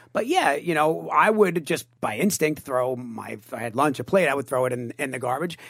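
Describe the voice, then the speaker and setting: Lively intonation from a man with a plain, everyday voice, fairly high-pitched, at a moderate pace. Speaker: actor and podcast co-host. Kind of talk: casual chat. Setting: studio.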